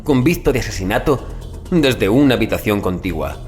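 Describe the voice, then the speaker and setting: A man's voice: fairly low pitch, sing-song, moderate pace, a little mellow, soft background music. A man reading a first-person horror story as an audiobook narrator, in a grave, theatrical delivery.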